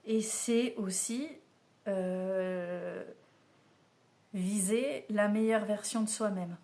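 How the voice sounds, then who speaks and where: Woman doing a chill spiritual card reading to camera, mid pitch, super chatty, talks straight to you. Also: steady tone, extremely slow, warm tone. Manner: chatty, familiar, addresses the listener directly. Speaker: oracle card reader. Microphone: camera mic, filmed mirrored.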